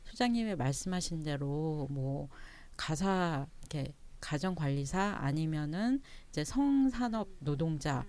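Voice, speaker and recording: A woman guest on a podcast, talking in a measured, reflective way. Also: sits low, lively intonation, darkish tone. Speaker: guest writer. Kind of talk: thoughtful discussion.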